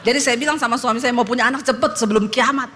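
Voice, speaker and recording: A middle-aged woman pastor telling a humorous testimony in a sermon, lively and joking, with acted-out quotes, on a church stage. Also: on the high side, rapid-fire, a little hiss or hum.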